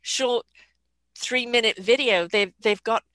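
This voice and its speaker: A woman hosts a relaxed talk show chat, her voice bright and crisp, recorded close and dry. She gives friendly advice in a chatty way and laughs easily. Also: fairly high pitch, takes it slowly, no room sound. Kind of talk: casual chat.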